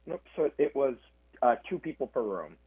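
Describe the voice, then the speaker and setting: A man's voice: mid-range voice, sing-song, moderate pace, dry recording. A young man answering interview questions over a phone line, earnest and plain-spoken. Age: young adult. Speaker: guest.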